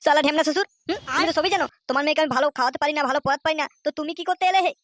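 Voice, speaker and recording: A woman's voice: high voice, very fast, dry recording, clean studio sound, lightly acted. A woman voicing a lazy, insolent young husband in a cartoon who sneers at his father-in-law. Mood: sneering. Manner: sneering, mocking. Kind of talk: cartoon voice acting.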